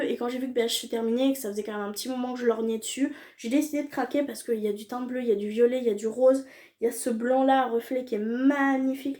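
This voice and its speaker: A woman's voice: a little high, dark tone. A young woman chatting casually through a beauty product haul, enthusiastic and full of fillers and slang. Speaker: beauty vlogger.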